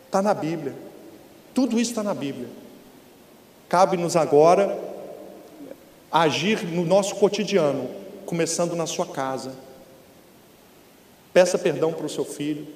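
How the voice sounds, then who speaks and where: A man with a Brazilian Portuguese accent, speaking as a guest preacher in a church, emphatic and repetitive, sometimes dropping to a hush. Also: a little high. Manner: animated, emphatic, repeats phrases, drops to a hush for effect. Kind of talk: preaching talk. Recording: echoey church hall with faint room noise.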